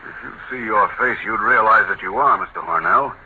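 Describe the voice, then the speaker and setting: An actor playing a courteous bank officer in 1940s radio drama style, measured and firm. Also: male voice, fairly low pitch, natural voice. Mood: persuasive. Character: calm, polite male bank officer, firm. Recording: muffled old radio broadcast with hiss.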